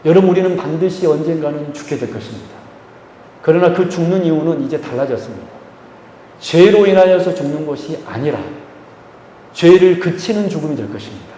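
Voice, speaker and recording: Korean pastor preaching in echoey hall. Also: male voice, fairly high pitch, animated, mellow, a little hiss or hum. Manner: emphatic preaching with slow stressed phrases, leading the congregation. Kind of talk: sermon. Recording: echoey church hall, faint ambience.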